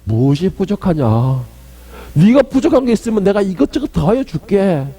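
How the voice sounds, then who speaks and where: A man's voice: high voice, sing-song, normal speed, dark tone, husky, full character voice. A man voicing God as a fond, fatherly male figure who coddles and reassures. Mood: reassuring. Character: doting fatherly male God, tender and generous.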